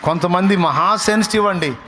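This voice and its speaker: A pastor preaches a sermon at a fairly quick clip, his voice pushed and bright with a faint hiss or hum. He acts out the voices of scoffers in shifting pitch and volume and builds to emphatic rhetorical questions.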